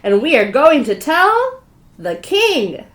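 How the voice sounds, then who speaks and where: A woman's voice: high-pitched, huge pitch swings, slow, full character voice. A woman voicing a frantic young hen in a children's storybook, with alarmed, stretched-out exclamations.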